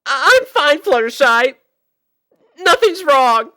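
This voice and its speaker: An anxious little cartoon filly, acted by a woman, with a high, bright voice that swings widely in pitch. The filly speaks in an earnest, hesitant way, like a storybook child in love, in a space with long reverb. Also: sing-song, takes it slowly, heavily acted. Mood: falsely cheerful. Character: anxious lovestruck little pony filly, young girl.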